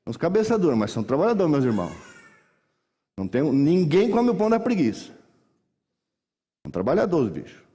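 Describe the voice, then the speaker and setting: A middle-aged male pastor, preaching a sermon in animated, folksy storytelling that acts out voices. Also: on the high side, fairly quick, long pauses. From Brazil. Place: church hall. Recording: reverberant church hall.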